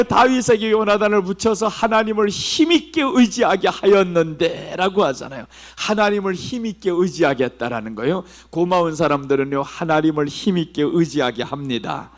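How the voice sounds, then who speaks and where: A middle-aged pastor with a Seoul Korean accent preaches a sermon in a high voice. He drops to hushed, low phrases, then climbs back to raised, emphatic ones.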